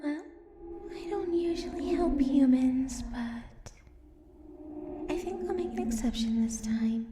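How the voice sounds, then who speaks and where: A woman playing a polite, gentle banshee hotel receptionist in an ASMR roleplay, speaking formally in a breathy, whispery voice. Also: high voice, lively intonation, takes it slowly, pauses often, very noisy. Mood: courteous, knowing. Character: polite, wistful female banshee hotel receptionist, once human. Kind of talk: ASMR roleplay, scripted monologue. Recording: echoey, loud background ambience.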